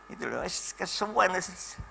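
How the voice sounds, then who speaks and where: A man's voice: sits high, animated, a little slow, creaky, pushed and bright, slightly rough. A middle-aged man, preaching a sermon as the pastor in a folksy, chatty way full of anecdotes.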